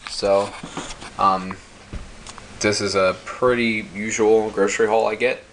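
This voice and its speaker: Young male vlogger, very low-pitched, casual and profane, filler-heavy; home kitchen, handheld cam, crinkly packaging noise. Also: fairly even intonation, slow pace, a bit bright, rough recording. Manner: laid-back, slangy and profane, many ums and uhs. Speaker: bodybuilder vlogger. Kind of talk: casual grocery haul show-and-tell. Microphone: handheld camera held close. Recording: crinkling bags and clicks close by.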